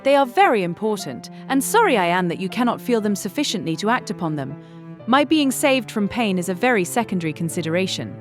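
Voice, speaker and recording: A woman acts out a self-assured young gentlewoman from a period novel. Her pitch rides high and swings expressively as she makes emphatic, affectionate points in careful phrases, over faint music. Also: very animated, brisk, natural voice. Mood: earnest, pressing. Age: young adult. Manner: earnest, emphatic, articulate. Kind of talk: dramatised classic novel audiobook acting.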